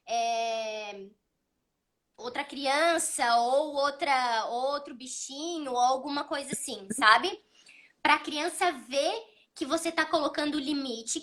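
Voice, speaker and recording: A woman in her thirties, hosting a child psychology talk, explaining calmly and telling stories about her son with acted-out dialogue. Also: high voice. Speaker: child psychology channel host. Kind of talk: casual advice talk.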